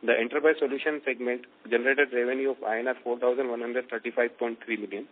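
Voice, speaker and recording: A male finance executive with an Indian accent reads out prepared results in a formal corporate style. The pitch is average, and the sound is squeezed into a tinny conference phone line. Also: little pitch movement, fast talker. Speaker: chief financial officer.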